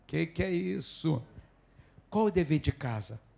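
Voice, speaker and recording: Somewhat breathy and dark, mellow in tone, a man's voice makes very wide pitch swings on a very clean recording with a silent background. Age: 60s. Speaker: pastor. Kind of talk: sermon. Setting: church. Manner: animated.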